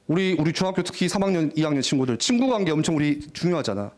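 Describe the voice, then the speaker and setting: Animated young male youth preacher. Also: fairly high pitch, very fast. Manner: animated, jokey, acts out teen voices. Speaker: youth pastor. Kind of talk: lively youth sermon. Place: church worship hall.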